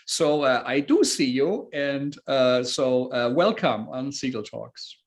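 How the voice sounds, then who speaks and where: A man with a medium-pitched voice hosts a conversational book talk. He speaks haltingly, often pausing and repeating words as he works toward his point. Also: expressive. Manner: halting, hesitant phrasing with frequent repeats. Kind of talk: interviewing, conversational introduction.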